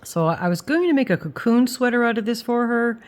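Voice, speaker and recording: An older woman chatting casually as a craft vlogger, halting and thinking aloud, her s sounds whistling through her teeth. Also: a little high, expressive, a little mellow. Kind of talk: casual rambling chat.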